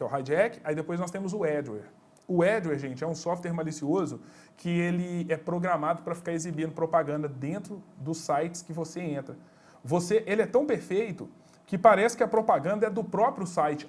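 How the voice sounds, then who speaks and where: A man's voice: on the high side, brisk, a little mellow. A man, teaching an informal exam-prep lecture in a blunt, slangy way, talking straight to his students.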